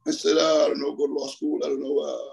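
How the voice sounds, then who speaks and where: A man's voice: on the high side, level tone, fast talker, gravelly, darkish tone, husky. A middle-aged man from the Bahamas, a track coach, telling his story in a rambling way over the phone, repeating himself and laughing often. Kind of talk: storytelling interview on a call.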